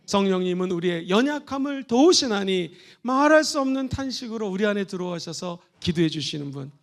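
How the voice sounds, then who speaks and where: A male pastor preaches with real fervor in a church sanctuary. His voice sits very high for a man, and he climbs into shouted calls to the congregation. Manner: fervent preaching, rising to shouted exhortations. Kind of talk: Easter sermon.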